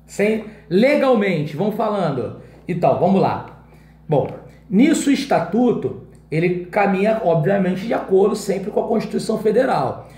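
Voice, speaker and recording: Casual Brazilian teacher, dark tone. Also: male voice, high-pitched, sing-song, normal speed, echoey room. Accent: Brazilian Portuguese. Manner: casual, checks in often with the class. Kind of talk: online exam-prep class.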